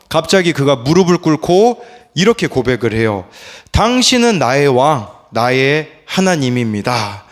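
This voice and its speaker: A man in his thirties, a pastor giving an early-morning devotional sermon. He keeps asking the listeners questions and acts out the quotes. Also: sits high.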